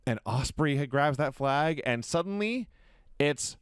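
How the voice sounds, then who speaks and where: A man co-hosting a podcast, telling a wrestling match blow by blow in a lively, swearing, storytelling way. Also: fairly high pitch, measured pace, smooth, dry recording. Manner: animated storyteller, swearing, chuckling. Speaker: podcast co-host. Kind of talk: casual wrestling recap chat.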